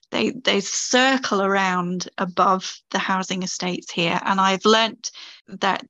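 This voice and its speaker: A woman's voice: mid-range voice, pushed and bright, no echo, poor audio. A woman guest in a casual interview, speaking with enthusiasm and frequent restarts. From England. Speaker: podcast guest, writer.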